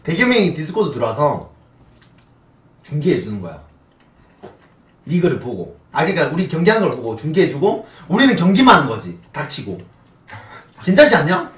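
A man in his twenties chatting casually on a live stream as host, bantering and swearing in an animated way. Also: a little high, a little fast, long pauses, recorded from a distance. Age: 20s. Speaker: streamer hosting a mukbang talk show with a guest. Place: small indoor streaming room. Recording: roomy echo, off the mic.

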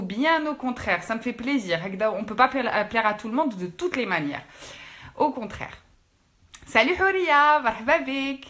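A young Algerian woman, an actress, chatting fast and casually with fans in a live stream, switching languages. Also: a little high, fairly bright tone. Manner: quick, chatty, mixing French with Algerian Arabic. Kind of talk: casual live-stream chat reading out comments.

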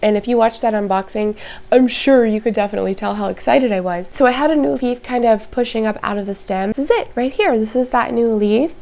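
A woman chatting casually to her viewers in a plant vlog, her voice hoarse and raspy. She is upbeat and talks to the audience directly. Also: a little high, brisk, darkish tone. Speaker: plant vlogger. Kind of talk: casual show-and-tell vlog.

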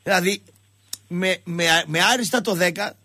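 A male sports radio host with a husky, high-pitched voice. He tells comic stories in an animated way and jumps into shrill voices for the people in them. His voice sounds dry and close. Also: dry recording. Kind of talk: comic storytelling and call-in chat.

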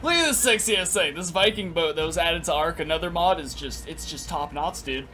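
A young man in his twenties doing energetic, crude gameplay commentary in a small room, his voice raspy because he just woke up. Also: on the high side, a little fast, slight background noise. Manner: energetic, crude, rambling with lots of "like". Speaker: gaming YouTuber. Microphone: headset.

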